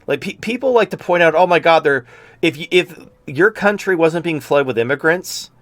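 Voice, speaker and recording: A man's voice: on the high side, animated, normal speed, a bit bright, no room sound. A man hosting a podcast in casual chat who keeps mimicking other people's voices. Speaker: podcast host.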